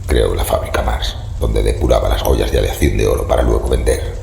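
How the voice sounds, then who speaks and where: An actor playing a grim, haunted keeper of occult secrets in an audio horror serial, with a growling voice, Castilian Spanish accent and solemn, ominous delivery. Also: male voice, rumbling low, steady tone, a little fast, a little mellow, heavily acted. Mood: grave, secretive. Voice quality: very gravelly, growling. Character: grim haunted man who knows forbidden occult secrets. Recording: roomy reverb, faint noise.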